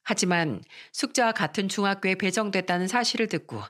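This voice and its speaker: A woman's voice: medium pitch, fairly quick, a bit bright. A woman narrating a listener's first-person story in a scripted storytelling style.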